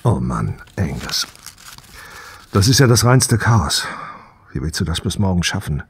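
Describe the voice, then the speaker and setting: An actor playing an easygoing, dutiful test pilot and older brother in an audio drama, casual and thoughtful. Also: male voice, low voice, very animated, measured pace, slight background noise. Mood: mildly impatient.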